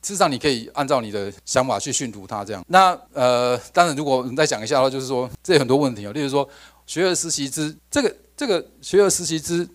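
Fast-talking male lecturer. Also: medium pitch, animated. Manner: conversational, asks the audience rhetorical questions; frequent restarts and fillers like OK. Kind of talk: academic lecture.

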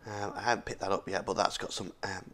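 A man's voice: sits low, steady tone, fast talker, pushed and bright. A man with a scratchy, sore voice, casually hosting a tech walkthrough with frequent fillers and restarts. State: hoarse, sore throat. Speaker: tech video host. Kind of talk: casual screen-recorded walkthrough.

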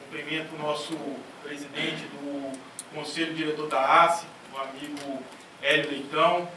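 A man who directs an agency speaks into a handheld mic while seated at a panel table in a large conference auditorium, delivering a ceremonious formal speech and greeting officials one by one. His voice is on the high side, bright and forceful, with a level tone at normal speed. The recording is echoey and distant, with clearly audible noise.

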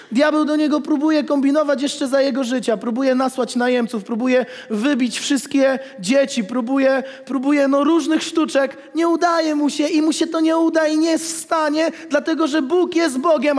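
A man in his thirties, a pastor, preaching an animated sermon with jokes, at a pulpit in a church hall. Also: very high-pitched. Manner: animated, gestures while preaching, jokes with the congregation. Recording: long reverb of a church hall.

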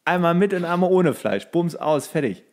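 A man's voice: on the high side, animated, normal speed. A man co-hosting a podcast, chatting casually and humorously in a colloquial, rambling way with mock-strict asides. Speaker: podcast co-host.

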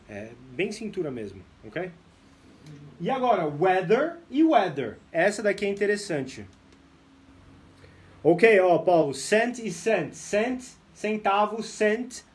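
A lively young Brazilian man teaches English on a live stream, weaving English phrases into his explanations. His voice runs on the high side.

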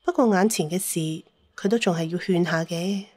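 A woman's voice: on the low side, moderate pace, darkish tone, no room sound. A woman with a Cantonese accent narrating a dramatised story as an audiobook reader.

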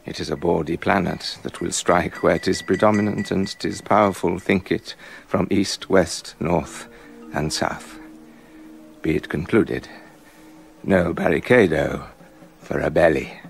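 A man's voice: deep voice, unhurried, gravelly, faint music behind. An actor playing a jealous, brooding king in a radio drama, muttering bitter asides and building to angry accusation. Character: jealous brooding king, middle-aged man.

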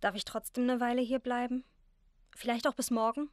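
A woman's voice: on the high side, flat delivery, fairly quick, no echo, studio quality, lightly acted. An actress playing a guarded, polite sixteen-year-old girl in a German audio drama. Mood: polite, eager.

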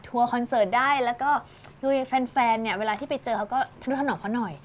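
Quick-talking female gossip co-host. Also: fairly high pitch. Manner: chatty, frequent agreeing backchannels. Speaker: entertainment news co-host. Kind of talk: casual gossip chat.

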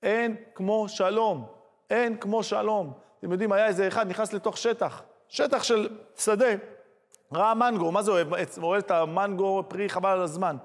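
Rabbi guy preaching, high voice, asks the crowd lots of questions, long hall echo. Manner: preachy, rhetorical questions, lively storytelling. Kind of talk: sermon.

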